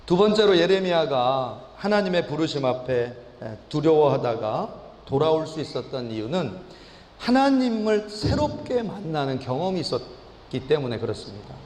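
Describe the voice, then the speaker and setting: Korean pastor guy preaching, kinda high voice, big echoey church hall, calls hallelujah, acts out the pleading bits. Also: very animated, normal speed, a little mellow. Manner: acts out God's pleading lines with sudden drops and rises in pitch; light joking with the congregation. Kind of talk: sermon. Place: church sanctuary. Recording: echoey church hall, faint room noise.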